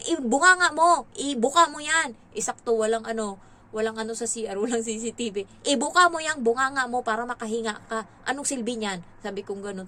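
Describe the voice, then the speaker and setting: Woman, from the Philippines, casual storytelling vlog, chatty and animated, fairly high voice. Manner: chatty, animated, quotes others in raised voices. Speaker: domestic helper vlogger.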